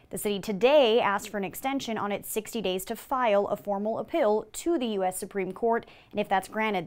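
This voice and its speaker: A young adult woman reporting the news in a measured, steady way from a TV studio. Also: mid-range voice, no echo.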